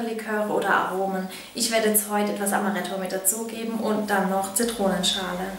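A woman speaks at a fairly quick pace, with audible echo from the room. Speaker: baking channel host. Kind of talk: tutorial. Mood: friendly, calm. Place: kitchen.

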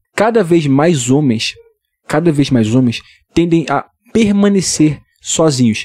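In a quiet background, a man with a dark, mellow tone and lively intonation talks at a fairly slow pace, his loudness very even and his pauses long and frequent. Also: fairly high pitch for a man, dry sound with no echo. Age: 30s. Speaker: YouTuber on men's self-development. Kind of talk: video monologue. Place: home room. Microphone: studio mic.

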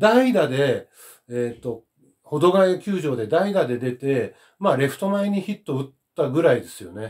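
A man with a fairly high voice swings very widely in pitch and heavily in loudness. The background is quiet. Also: moderate pace. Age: 60s. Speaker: former pro baseball player and coach; coach. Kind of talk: casual monologue; casual reminiscing talk to camera. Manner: halting with many fillers. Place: home room. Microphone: camera far.

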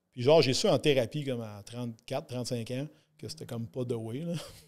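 Over a quiet background, a man speaks with a Quebec accent. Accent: Québécois French. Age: 40s. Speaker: former bodybuilder and fitness coach; fitness coach. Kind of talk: casual interview. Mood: candid, reflective storytelling. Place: studio. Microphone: studio mic.

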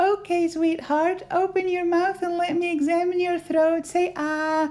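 In a put-on character voice at an extremely high pitch, the speaker talks at a moderate pace with monotone, flat intonation. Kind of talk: gentle bedside talk. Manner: sweet and coaxing.

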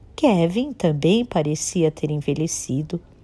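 Her delivery dramatic and somewhat breathy, a woman speaks slowly-ish at a fairly low pitch, with lively intonation and a dark, mellow tone. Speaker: audiobook narrator. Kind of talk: dramatized audiobook narration, reading a fantasy novel aloud. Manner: dramatic, expressive, shifting voices for characters.

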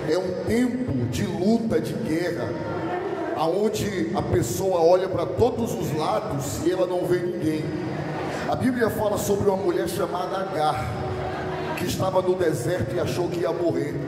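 Against noticeable background noise and audible room echo, a man speaks at a fairly slow pace with ordinary pitch variation and long, frequent pauses. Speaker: preacher. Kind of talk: sermon. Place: hall. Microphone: headset.

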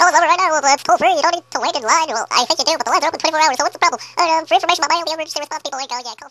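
The high-pitched voice runs on with hardly any pauses. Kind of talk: TV commercial announcer parody. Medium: fan dub. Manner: fast, hesitant.

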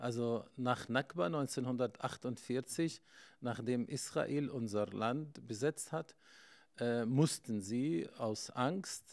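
This man talks at a very slow pace with an Arabic accent. The background is quiet. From Syria, Yarmouk camp south of Damascus; Syria. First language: Arabic (speaking German). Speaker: guest speaking about Palestine and faith; guest. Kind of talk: interview conversation. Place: studio. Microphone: studio mic.

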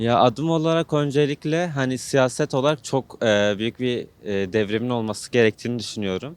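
With a dry, close sound and no echo over a quiet background, a man speaks at medium pitch with ordinary pitch variation. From Diyarbakır, southeastern Turkey. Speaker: street interview interviewee. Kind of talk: street interview. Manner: hesitant, many fillers.

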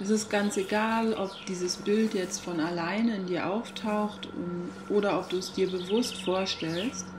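A woman speaks at medium pitch in a calm, soothing tone, hardly pausing at all. Her pace is fairly slow, with noticeable background noise behind her. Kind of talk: guided meditation. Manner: slow, calm, soothing, with long pauses.

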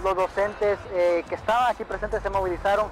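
Faint music plays behind a man with a high pitch who speaks at a moderate pace in a monotone, flat way, the sound dry with no echo. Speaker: field news reporter. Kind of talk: live news report. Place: street. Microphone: earbuds.

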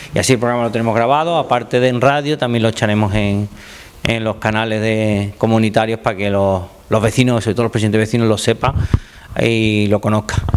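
With light background noise behind him, a man speaks at a very fast pace and medium pitch with fairly even intonation. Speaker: district council chair. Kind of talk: meeting moderation. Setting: neighbourhood council meeting room. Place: meeting room. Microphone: handheld.

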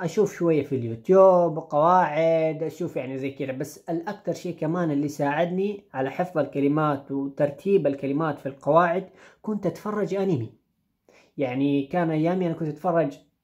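Fairly high-pitched man at a moderate pace, with ordinary pitch variation and a quiet background. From Saudi Arabia, Pakistani family. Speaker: YouTuber. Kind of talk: casual vlog monologue. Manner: animated. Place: home room. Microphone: webcam.

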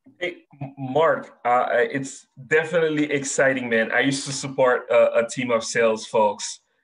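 With a Caribbean accent, a man talks at a moderate pace. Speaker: data professional. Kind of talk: casual chat. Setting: video call. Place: home room. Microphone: video call.

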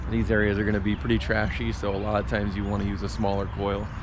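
Noticeable background noise surrounds a man's fairly low-pitched voice, which sounds dry with no echo. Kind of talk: casual vlog tutorial. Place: open country. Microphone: phone near.

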